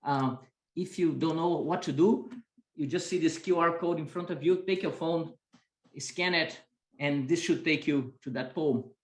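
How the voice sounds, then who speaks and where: A man's voice: a little high, a little slow, reverberant. A man with a Brazilian accent hosting a business school webinar, talking conversationally with frequent "right?" tags. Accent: Brazilian Portuguese. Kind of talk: webinar presentation.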